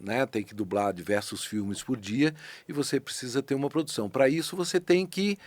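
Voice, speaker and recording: Rich: A middle-aged Brazilian man in a podcast studio, talking about his craft as a guest with animated emphasis and frequent restarts. His voice sits at a mid pitch. It is recorded dry and close. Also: moderate pace, dry recording. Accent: Brazilian Portuguese. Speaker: voice actor and dubbing director, guest. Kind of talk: casual conversational interview.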